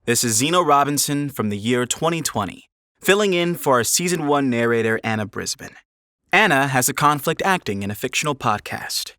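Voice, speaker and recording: A man's voice: mid-range voice, expressive, brisk, bright, forceful tone. A man narrating a scripted fiction podcast as a storyteller, setting scenes. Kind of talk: scripted audio drama narration. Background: music.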